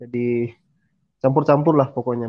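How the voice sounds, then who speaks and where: A man with a Makassar accent speaks at a moderate pace and medium pitch in a monotone, flat intonation. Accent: eastern Indonesian (Makassar). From Makassar, Sulawesi, eastern Indonesia. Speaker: Islamic preacher and debater. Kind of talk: casual interview.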